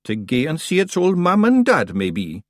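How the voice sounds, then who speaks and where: A man voicing a tiny, rowdy blue Scottish warrior with broad excitable dialect, in an audiobook story. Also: fairly high pitch, normal speed, no room sound, studio quality, pitched above the performer's own voice. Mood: bickering.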